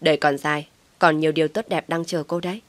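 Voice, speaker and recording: A woman voicing a calm, kind young man. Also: deep voice, fast talker, no room sound, natural voice. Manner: calm reassuring, a little teasing.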